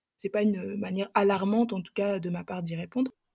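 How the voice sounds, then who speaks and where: The voice has a dark, mellow tone, a somewhat breathy quality and a moderate pace. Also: woman. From Brussels, Belgium. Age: 20s. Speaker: climate activist. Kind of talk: podcast interview. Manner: halting, repeats words.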